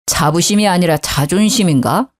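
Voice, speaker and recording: A woman's voice: fairly low pitch, pitched below the performer's own voice. A woman doing a sneering sarcastic husband. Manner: mocking, sarcastic, slow drawl. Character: sarcastic young husband, belittling and defensive.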